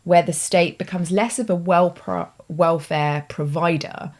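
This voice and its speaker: Low-voiced British woman explaining. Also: fairly even intonation, a little slow, a little mellow. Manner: thoughtful, conversational, explains with hedging asides. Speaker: host. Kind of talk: explanatory talk to camera.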